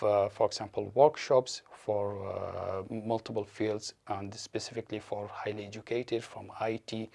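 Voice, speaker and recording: A man whose native language is Arabic, answering interview questions in a halting way with many fillers. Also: lowish voice, gravelly, a little mellow. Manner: hesitant, many fillers and restarts. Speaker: staff member at a refugee support organization.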